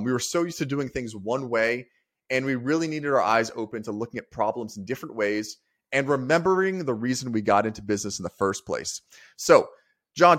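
A man's voice: mid-range voice, a bit bright. A man co-hosting a business podcast, talking upbeat and casual with a few fillers. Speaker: podcast co-host.

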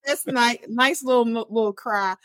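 A woman's voice: fairly high pitch, unhurried, fairly bright tone, no echo, studio quality. A woman in her forties from Baltimore, a guest talking candidly about her faith, joking and laughing easily. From Baltimore, Maryland. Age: 40s. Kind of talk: casual interview.

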